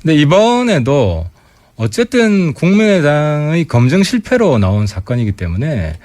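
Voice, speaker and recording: A man guesting on a radio current-affairs interview as a lawmaker, giving pointed, sharp-tongued political commentary into a studio mic. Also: fairly high pitch, very animated, moderate pace, dry recording.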